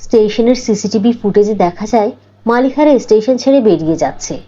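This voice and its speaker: A woman's voice: medium pitch, animated, fast, dark tone, lo-fi sound. A woman narrating a scripted cartoon story.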